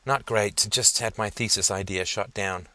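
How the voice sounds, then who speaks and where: A man's voice: on the low side, fairly even intonation, normal speed, sharp tone, dry recording. A man playing an earnest, insecure young male student who stammers and hesitates.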